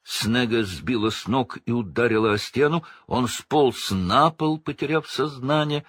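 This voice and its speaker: A man narrating an audiobook in a dramatic, measured way. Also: mid-range voice, a bit bright, breathy edge, no room sound, studio quality. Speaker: reader.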